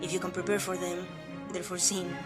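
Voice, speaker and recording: Woman acting a precise sci-fi character over loud music. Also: fairly low pitch, little pitch movement, fairly quick, lightly acted. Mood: dry. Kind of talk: audio drama acting.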